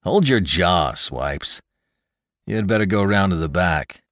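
A stern young policeman, as a man voices him, curt and businesslike, in a low voice with a lively lilt. Recorded close and dry. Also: a little slow, no room sound. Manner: curt, official. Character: young stern male constable, impatient.

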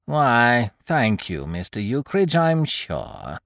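A man reading aloud and voicing a stern, whiskered older male landlord, who speaks low, slow and guarded. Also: wildly swooping pitch, gravelly, a bit bright, no room sound, studio quality, full character voice. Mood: ingratiating.

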